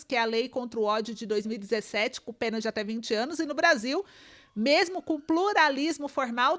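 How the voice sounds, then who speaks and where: A Brazilian Portuguese-accented woman delivers online political commentary, reading news aloud to her viewers. Her voice sits high and sounds bright and sharp. She talks emphatically, pushing rhetorical questions at her audience.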